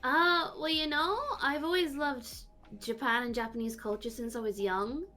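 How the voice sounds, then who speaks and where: High-voiced woman VTuber, halting chat. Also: fairly even intonation, sharp tone, faint music behind. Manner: rambling, halting, many fillers. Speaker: VTuber guest. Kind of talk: casual interview chat.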